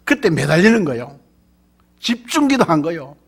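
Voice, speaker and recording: A middle-aged male pastor with a Gyeongsang accent preaching a sermon, animated, full of rhetorical questions, calling on the congregation to answer. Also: fairly high pitch, moderate pace, gravelly, breathy edge. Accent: Gyeongsang Korean.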